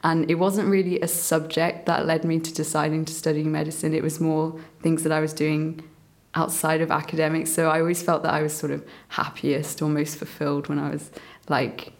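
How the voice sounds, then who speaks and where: A woman's voice: low-pitched, little pitch movement, fairly quick. A young woman, a medical student guest, chatting eagerly in an interview with lots of fillers. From Burma. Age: young adult. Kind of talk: casual interview chat.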